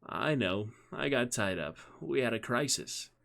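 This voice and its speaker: A man's voice: mid-range voice, animated, measured pace, creaky, a bit bright, pitched above the performer's own voice. A man voicing a smitten, awkward young man in his twenties in a storybook reading, with brief, sheepish replies. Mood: sheepish, agreeable.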